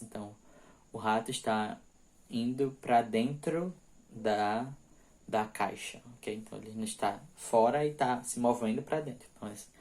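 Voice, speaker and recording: Man, somewhat low voice, bilingual grammar lesson, slow example sentences, quick explanations, frequent check-ins. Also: darkish tone. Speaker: English teacher.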